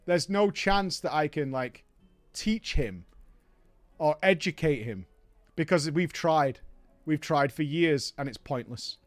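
A man's voice: a little high, slow, dry recording, faint music behind. A man telling a comic story in a wry, exasperated way. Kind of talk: comedic storytelling narration.

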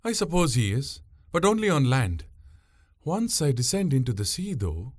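A man voicing a sharp-tongued young woman who steers a boat, teasing and bossy in a raised voice. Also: mid-range voice, big pitch swings, moderate pace, no room sound, studio quality, voice pushed up. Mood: proud.

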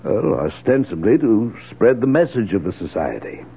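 An actor playing a proud but frightened older father in a 1970s radio drama, evasive, halting and testy. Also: lowish voice, very animated, full character voice. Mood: resigned. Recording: rough, muffled old radio broadcast.

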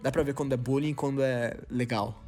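A man in his twenties, from Brazil, hosting a podcast and telling a story in a slangy, animated way, acting out dialogue with lots of restarts. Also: medium pitch, brisk, faint music behind. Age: 20s. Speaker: podcast host. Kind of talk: casual storytelling monologue.

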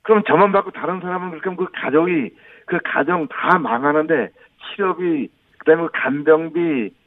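A man's voice: a little high, normal speed, no room sound, phone-quality sound. An earnest, plain-spoken middle-aged or older man answering as a guest in a live interview. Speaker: bereaved father interviewed as guest. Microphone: remote phone connection. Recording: band-limited radio phone link.

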